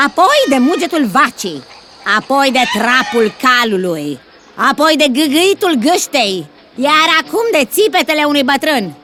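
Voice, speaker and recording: A woman voicing a grumpy woman who owns a goose, complaining and quick to snap. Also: sits high, sharp tone, slight background noise, heavily acted. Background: background music.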